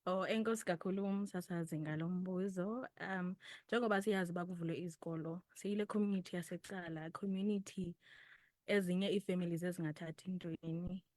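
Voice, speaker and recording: A South African woman with a Xhosa accent gives conversational interview answers. She speaks rapidly in a slightly low voice, slipping between languages, with a close, dry sound. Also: steady tone, darkish tone, dry recording. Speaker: interviewed foundation representative.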